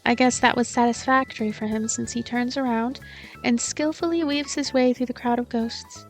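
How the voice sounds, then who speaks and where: A woman's voice: a little high, steady tone, moderate pace. A woman reading a story game aloud and commenting as she plays, with music behind her. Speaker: let's play commentator and narrator. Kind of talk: voiced gameplay narration and commentary.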